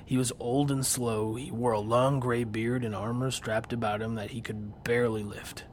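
An actor playing a grave warrior, telling his own story in a solemn, hushed first-person narration. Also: medium pitch, level tone, moderate pace, slight background noise, natural voice. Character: grave Viking warrior man recounting his past.

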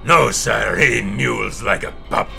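An actor playing a gruff henchman guard, answering his king in a gravelly voice. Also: lowish voice, takes it slowly, pushed and bright, soft background music, exaggerated voice. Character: gruff brutish male guard, a king's henchman.

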